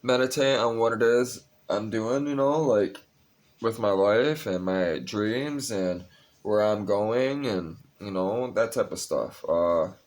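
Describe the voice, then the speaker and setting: Man, young adult, very deep voice, tired, rambling, swears a lot, casual vlog talk. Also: slow. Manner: rambling, confessional, curses freely. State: tired, a bit high. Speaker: vlogger.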